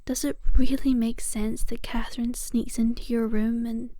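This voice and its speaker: A woman voicing a calm, condescending female caretaker at an asylum, in a soft, soothing whisper that brushes off the listener's fears. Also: a little high, no echo, close to an everyday voice. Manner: soothing yet dismissive, slow and hushed. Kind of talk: whispered ASMR roleplay.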